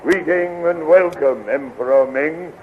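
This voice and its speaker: A man's voice: fairly high pitch, measured pace, phone-quality sound, lightly acted. An actor playing a boisterous, regal king of winged men in a 1930s radio serial, grandiose and hearty, on a scratchy old recording. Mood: alarmed, defiant.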